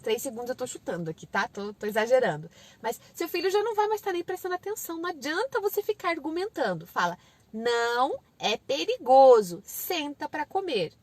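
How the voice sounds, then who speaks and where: A woman's voice: high voice, very animated, fast talker. A woman hosting a parenting channel, giving casual advice to parents and acting out sing-song lines spoken to a small child.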